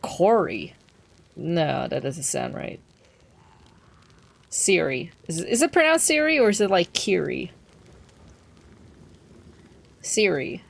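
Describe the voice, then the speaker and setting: A man's voice: high voice, big pitch swings, unhurried, creaky, long pauses. A young trans man streaming a game from home, chatting casually with lots of fillers and wry asides. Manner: rambling, many fillers, wry. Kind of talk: casual gameplay chat.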